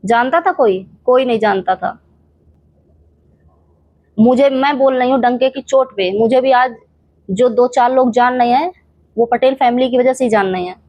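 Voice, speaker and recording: A woman's voice: a little high, normal speed, pauses often, a little mellow, no room sound, lo-fi sound. A young woman vlogging, scolding an absent rival straight to camera with rhetorical questions and repeated challenges. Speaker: reaction channel creator. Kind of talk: heated reaction monologue to camera.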